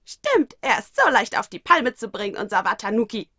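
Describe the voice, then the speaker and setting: A woman's voice: fairly high pitch, big pitch swings, moderate pace, bright, forceful tone, husky, no room sound, studio quality, exaggerated voice. Woman doing a cheeky little black creature. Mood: teasing. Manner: cheeky, teasing. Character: small black cheeky creature, sake-loving. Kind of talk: audiobook reading of fan fiction.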